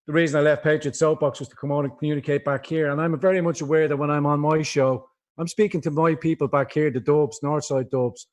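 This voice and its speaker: A man's voice: on the high side, fairly even intonation, fast talker, hardly any pauses, darkish tone. Impassioned Dublin man, rambling. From Ireland. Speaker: guest. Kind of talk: livestream interview.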